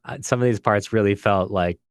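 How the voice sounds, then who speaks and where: A man's voice: on the low side, fairly quick, smooth, dry recording, studio quality. A man co-hosting a podcast in casual book discussion, agreeable and reflective, building his points piece by piece. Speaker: podcast co-host.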